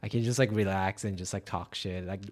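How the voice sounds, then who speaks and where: A young man from Malaysia, a native Chinese speaker, hosting a relaxed conversation. His voice sits a little low, and his speech is loose and full of fillers, with easy laughter. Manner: chatty, filler-heavy, quick to laugh. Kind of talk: casual conversation.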